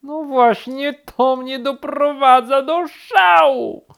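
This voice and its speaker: A woman voicing a grumpy, frazzled male rabbit in a storybook, exasperated and complaining loudly. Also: high voice, slow, vocal fry, pitched above the performer's own voice, full character voice. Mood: furious.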